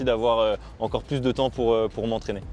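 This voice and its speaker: Music plays in the background while a man talks at a fairly quick pace. His intonation stays flat and monotone. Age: 20s. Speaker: athlete. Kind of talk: interview. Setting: outdoors. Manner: hesitant with frequent fillers.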